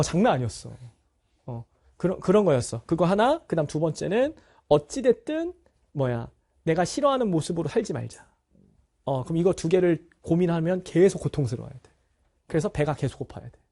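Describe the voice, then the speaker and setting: Husky, lively-pitched male teacher. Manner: candid, personal storytelling, addresses students directly. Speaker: Korean language teacher. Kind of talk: talk to students.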